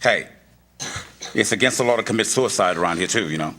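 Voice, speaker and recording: A man playing an excitable, fussing working-class fellow in a radio play, agitated and speaking in broken grammar. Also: on the low side, a little fast. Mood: baffled. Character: excitable, protective, working-class barkeep or bridgekeeper. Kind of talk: staged 1940s radio play acting. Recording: noisy live stage microphone.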